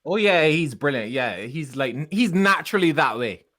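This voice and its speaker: A man with a Bajan accent telling anecdotes in casual, animated podcast chat as a comedian on the panel. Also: fairly high pitch, moderate pace. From Barbados. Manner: animated storytelling, breaking into laughter.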